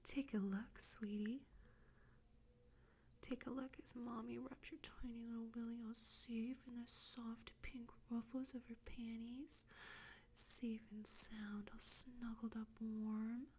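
A woman whispering close to the mic in a soft, coaxing, teasing audio roleplay. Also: fairly high pitch, level tone, takes it slowly, slightly rough.

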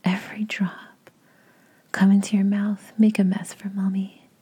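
A woman whispering close to the mic in a slow, coaxing, commanding voice for an intimate audio roleplay. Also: medium pitch, flat delivery, warm tone, slightly rough. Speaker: adult audio performer.

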